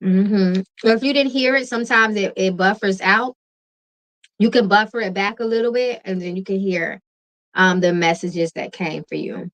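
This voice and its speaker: A woman hosting a late-night tarot livestream, chatting casually with viewers in a relaxed, calming voice and laughing often. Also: medium pitch, normal speed, low-quality recording. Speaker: tarot reader and livestream host.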